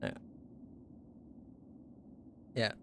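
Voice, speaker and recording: A man's voice: very slow, slight background noise. A man streaming from home, chatting casually about his gear in a rambling, self-correcting way, close on a studio condenser mic. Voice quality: not very deep voice. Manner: rambling, self-correcting, stumbles over names.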